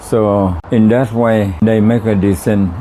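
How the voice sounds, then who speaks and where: A man speaks with a Vietnamese accent at fairly low pitch. There is noticeable background noise. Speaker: homeless man. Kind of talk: interview.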